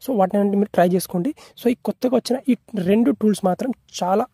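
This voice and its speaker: A man's voice: high-pitched, fast, dark tone, breathy edge, no echo, studio quality. A man narrating an app tutorial in a repetitive, instructional way, mixing in English tech terms.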